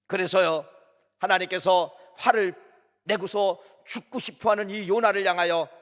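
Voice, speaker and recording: A man's voice: sits high, steady tone, moderate pace, fairly bright tone. A man preaching a sermon as pastor in a church, emphatic and full of rhetorical questions that he answers himself. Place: church sanctuary. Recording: long church hall reverb.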